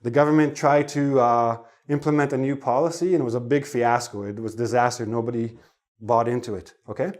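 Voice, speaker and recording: A man teaching English pronunciation in a lesson to camera, sounding out words slowly and one at a time, with chatty asides. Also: mid-range voice, steady tone, darkish tone. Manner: slow, deliberate word-by-word enunciation with asides.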